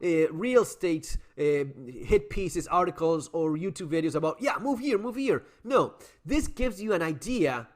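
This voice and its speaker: A man hosting his channel, reading online comments aloud and reacting with animated, emphatic, casual commentary that includes some swearing. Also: on the high side, a little slow, few pauses. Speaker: channel host.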